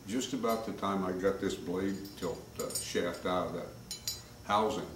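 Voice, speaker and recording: A man's voice: low voice, steady tone, measured pace. Older man in an echoey workshop. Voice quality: folksy, rambling with many fillers. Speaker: woodworking instructor. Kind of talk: casual workshop demonstration. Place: home workshop, indoors. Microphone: camcorder mic at a distance. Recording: roomy workshop sound, distant mic, clear background noise.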